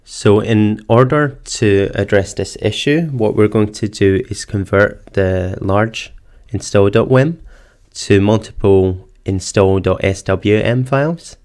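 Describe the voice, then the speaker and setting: A man narrating a screen-recorded computer tutorial, calmly explaining each step in order. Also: fairly low pitch. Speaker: tech tutorial presenter. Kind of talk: screen-recorded software walkthrough. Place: voice-over for screen capture.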